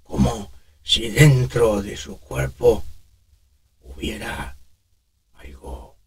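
A man voicing a very old smoker telling a story slowly and laboriously in a deep, raspy voice. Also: very animated, heavily acted. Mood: worn, brooding. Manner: slow, laboured storytelling. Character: very old male smoker and drinker, narrating.

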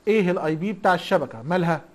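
Here an Egyptian-accented IT instructor gives an informal recorded lesson. His voice sits high, lively and very fast, and he chats and teases while continually quizzing students with rhetorical questions.

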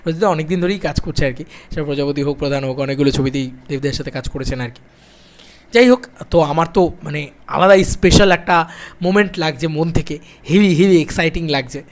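A young man chatting to camera as a film vlogger, excited and piling up repeated phrases. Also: on the high side, a little fast. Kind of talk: casual direct-to-camera film chat.

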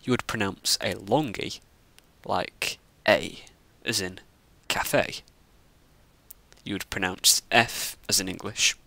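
A man teaching the Latin alphabet, explaining each letter slowly and carefully. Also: lowish voice, steady tone, gravelly, pushed and bright, no echo. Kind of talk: scripted lesson narration.

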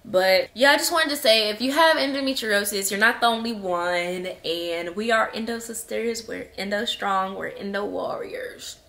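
A woman's voice: mid-range voice, normal speed, few pauses, bright, forceful tone. A young woman talking to her viewers in a personal vlog, emotional and crying at times, calling them y'all. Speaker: vlogger. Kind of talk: personal vlog talk to camera.

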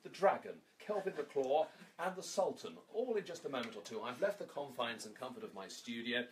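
A man's voice: mid-range voice, animated, a little fast. A middle-aged man speaking as a radio presenter, chatting and making live introductions in a noisy room. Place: indoor office room at a radio station. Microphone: handheld reporter microphone with headphones. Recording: noisy room recording on camera.

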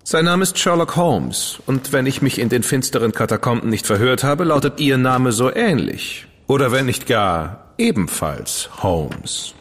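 An actor playing a witty, flamboyant dandy writer in a radio drama, speaking in a theatrical, playful and flowery manner. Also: male voice, medium pitch, sing-song, measured pace, hardly any pauses, a bit bright, long reverb tail. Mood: amused, flowery. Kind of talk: German studio radio drama acting.

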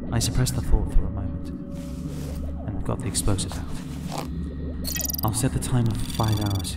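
An actor playing a haunted, grieving but determined survivor on a space station, narrating a first-person audio drama. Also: male voice, fairly low pitch, close to an everyday voice. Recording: echoey, loud music behind the voice.

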